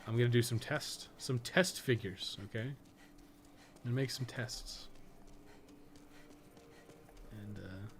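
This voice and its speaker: A man's voice: medium pitch, takes it slowly, long pauses, a little hiss or hum. A man giving casual, rambling live-stream game commentary, swearing and joking with his chat as he plays.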